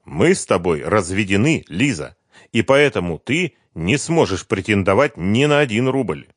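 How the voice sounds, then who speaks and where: A man reads a stern ex-husband in a low, firm voice, curt and unyielding. His delivery is lively in pitch, and the recording is dry and close. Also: normal speed, dry recording. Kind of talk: audiobook character voice.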